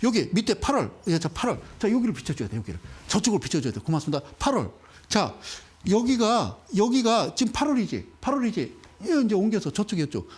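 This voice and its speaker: A man giving an animated stock investment lecture, teasing the audience with rhetorical questions and repeating key words for emphasis. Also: high-pitched, a little fast.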